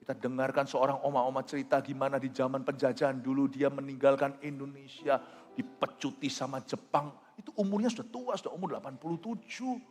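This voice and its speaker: A male pastor preaching a sermon in an animated, emphatic way, telling stories and slipping in English phrases. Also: mid-range voice, a little fast. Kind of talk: sermon with storytelling. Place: church. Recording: reverberant church hall with faint music.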